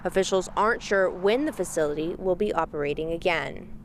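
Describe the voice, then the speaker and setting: A woman's voice: lowish voice, brisk. A woman reporting live as a television news field reporter, in a scripted news delivery. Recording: faint outdoor traffic noise.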